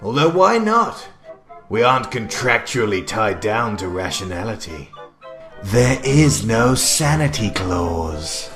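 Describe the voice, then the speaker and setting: A man's voice: on the low side, very animated, takes it slowly, over music, full character voice. An actor playing a gleeful, menacing madman villain in a radio drama monologue. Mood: gleeful menace.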